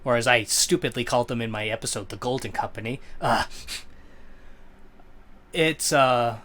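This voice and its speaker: A man's voice: mid-range voice, normal speed, a bit bright. A man co-hosting a podcast in casual chat, rambling and correcting himself as he gives his opinions. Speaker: podcast co-host.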